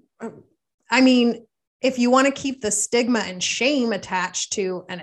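An animated tone in a Canadian accent, with ordinary pitch variation and a moderate pace. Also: woman. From Canada. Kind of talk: casual interview chat. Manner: animated, laughs often.

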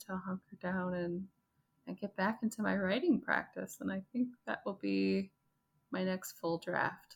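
At a moderate pace, a somewhat breathy woman speaks with a medium pitch. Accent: American. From Flint, Michigan (US Midwest). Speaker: novelist. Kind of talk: interview.

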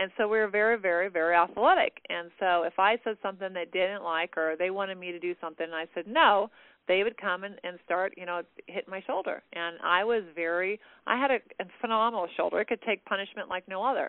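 With an American accent, a woman talks at a fairly quick pace in a normal speaking voice. Her medium pitch shows ordinary pitch variation. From California. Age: 50s. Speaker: real estate association founder. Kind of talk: interview.

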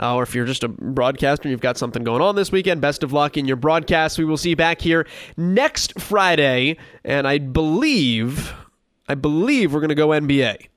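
A man with an American accent speaks at a moderate pace, his pitch fairly high with ordinary variation. He has an unremarkable speaking voice, captured in a very clean recording with a silent background. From New Jersey. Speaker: podcast host, play-by-play broadcaster. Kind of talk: interview.

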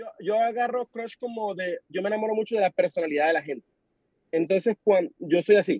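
A high-pitched man with a Maracaibo Venezuelan accent, fairly quick and full of lively intonation, with big swings in loudness in a dry, close sound with no echo. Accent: Maracucho Venezuelan, mild. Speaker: podcast creator, immigrant. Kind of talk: casual interview chat. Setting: video call.

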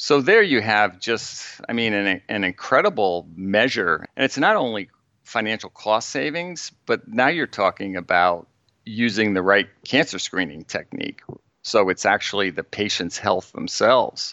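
A man with a normal speaking voice and an American accent, fairly low in pitch, with lively intonation at a moderate pace. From US East Coast, Boston area. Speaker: software company executive. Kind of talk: interview conversation.

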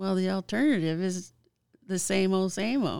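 At a moderate pace, a woman uses a normal speaking voice at medium pitch with ordinary pitch variation. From Canada, Vancouver. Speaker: artist. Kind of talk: casual chat.

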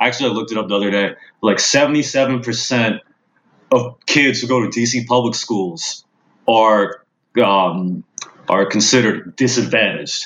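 A man's medium-pitched voice with ordinary pitch variation, at a fairly slow pace with long, frequent pauses. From Washington D.C. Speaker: blogger. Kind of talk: casual chat. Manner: animated.

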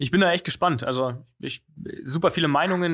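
His pitch shifts in an ordinary way. The man talks very fast. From Berlin. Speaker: podcast host. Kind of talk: interview. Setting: video call.

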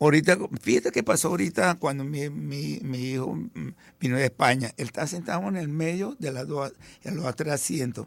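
Here a man with a fairly high pitch talks at a moderate pace, his intonation lively. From Venezuela, Caracas. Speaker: hot dog street vendor. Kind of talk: interview. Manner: halting.

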